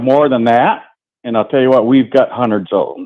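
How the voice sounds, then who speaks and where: A man's medium-pitched voice, a normal speaking voice, with ordinary pitch variation. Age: 60s. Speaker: caller, hunter and father. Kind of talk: call-in radio chat.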